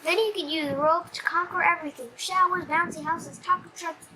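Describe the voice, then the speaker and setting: A child reading a comic storybook aloud in an animated, slightly stumbling way. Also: extremely high pitch, brisk, a crowd in the background, poor audio.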